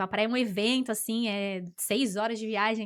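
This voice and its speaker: A fairly quick pace in a São Paulo accent. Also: woman. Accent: São Paulo accent, noticed in Rio. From Brazil, São Paulo. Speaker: hairdresser. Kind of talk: interview.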